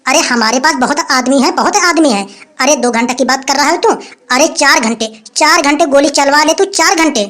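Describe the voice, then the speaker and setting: A man doing a shrill blustering village headman. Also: normal speed, sharp tone. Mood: threatening. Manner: blustering, threatening, repeats phrases. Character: boastful greedy male village headman, blustering. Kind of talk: comic sketch acting.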